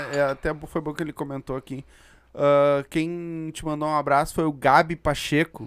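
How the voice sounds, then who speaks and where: A man speaks with a fairly high pitch. His intonation stays monotone and flat. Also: moderate pace. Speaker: podcast host. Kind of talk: casual chat, live show with ad reads. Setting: studio, live stream.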